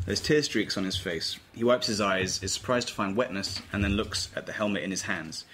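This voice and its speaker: A man's voice: low voice, a little fast, a bit bright. A man reading stage directions as narrator in a scripted table read. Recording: noisy informal room recording.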